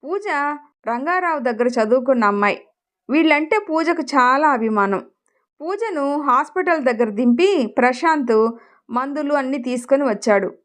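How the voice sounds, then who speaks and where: A woman's voice: high voice, lively intonation, normal speed, fairly bright tone. A woman with a Telugu accent narrating a family story and lightly voicing each character's lines. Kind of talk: storytelling narration with acted dialogue.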